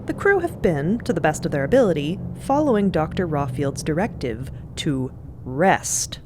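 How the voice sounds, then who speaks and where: A woman's voice: low-pitched, big pitch swings, normal speed, background noise. A woman reading scripted narration for an audio drama as its narrator.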